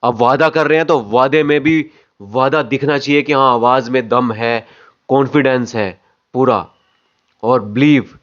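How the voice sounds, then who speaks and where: A man gives an acting lesson on voice modulation, explaining phrase by phrase and repeating words for emphasis. His medium-pitched voice is unhurried and a bit bright, captured with lo-fi sound.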